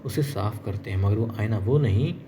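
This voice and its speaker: A man's voice: on the low side, moderate pace, noisy background. A man casually retelling a TV serial episode, chatty, speaking to viewers as friends and acting out the characters' lines. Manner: chatty, addresses viewers as friends, acts out quotes. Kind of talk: casual storytelling recap.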